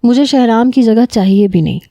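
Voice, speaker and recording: A tearful, reproachful young woman, defiant and sharp-tongued, voiced by a woman narrator, in a storybook romance. Her voice sits fairly high with a soft, warm tone, heard close and dry. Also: expressive, no echo, lo-fi sound. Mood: indignant.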